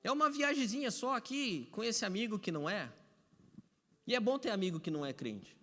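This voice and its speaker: Brazilian pastor guy preaching, kinda high voice, long echo in the church. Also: expressive, brisk, sharp tone. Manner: conversational preaching with repetition and humor. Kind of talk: sermon. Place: church sanctuary. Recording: echoey hall reverb.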